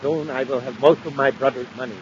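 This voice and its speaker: A man's voice: mid-range voice, fairly even intonation, brisk, a little hiss or hum, natural voice. Man playing a pompous, imperious radio villain, muffled old recording. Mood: imperious, confident. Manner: pompous, grandiose, theatrical. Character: vain, imperious aristocratic villain bent on ruling the universe. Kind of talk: 1950s radio adventure acting.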